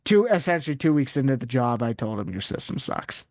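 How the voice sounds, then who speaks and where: A man's voice: mid-range voice, very animated, brisk, a little mellow, dry recording, clean studio sound. A man from Canada, a guest chatting casually in an interview, rambling and often restarting as he goes on tangents. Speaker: guest, wrestling site writer.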